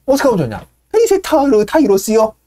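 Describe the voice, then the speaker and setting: A woman voicing an excitable flock of birds that squeal rapid, panicky questions. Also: on the high side. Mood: excited, flustered.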